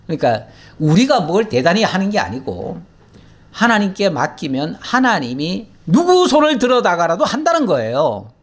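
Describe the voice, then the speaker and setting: Lively, high-voiced Korean pastor teaching. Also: male voice. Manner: folksy, acts out prayers in a pleading voice, laughs often. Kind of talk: conversational Bible teaching sermon.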